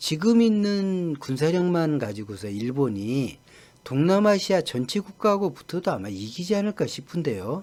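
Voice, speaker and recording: In a very clean recording with a silent background, a soft-spoken voice moves through very wide pitch swings. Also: man. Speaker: YouTube commentator on military affairs. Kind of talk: spoken commentary video. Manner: slow.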